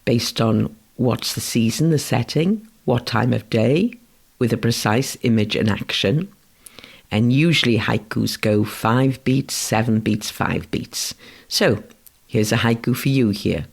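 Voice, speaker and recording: A man from Wales whose first language is Welsh, giving a scripted lesson on freelance writing in a measured, gentle way. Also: mid-range voice, vocal fry, slightly rough. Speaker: writing course instructor. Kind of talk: scripted educational narration.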